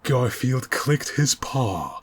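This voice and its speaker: A man's voice: medium pitch, sing-song, slow pace, soft background music. A man narrating a scripted comic story in a grandiloquent, dramatic manner.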